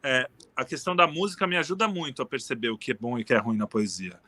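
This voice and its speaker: A man talks in a relaxed, meandering way, often stopping to restart his sentences. His voice is bright and forward. The sound is dry and close. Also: medium pitch, fast, dry recording. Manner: relaxed, rambling, frequent restarts and fillers. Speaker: interview guest. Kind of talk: casual conversation.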